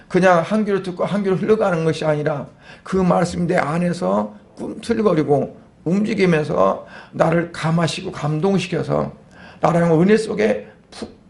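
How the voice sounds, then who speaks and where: A man, a pastor, preaching a Sunday sermon in a conversational way, asking rhetorical questions and pausing on fillers. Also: high voice, gravelly, a little mellow.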